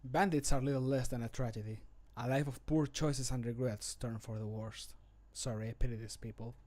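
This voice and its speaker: A man voicing a somber, pitying adventurer for a fantasy game, with dramatic, drawn-out gaps in a scripted delivery. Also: medium pitch, steady tone, a little mellow, natural voice. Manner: slow, dramatic, gapped delivery. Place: small home room.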